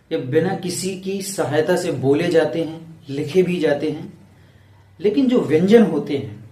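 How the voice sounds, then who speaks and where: A man teaching a Hindi grammar lesson to students. He repeats the key points slowly so they stick. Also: a little high, warm tone, echoey room, far from the mic.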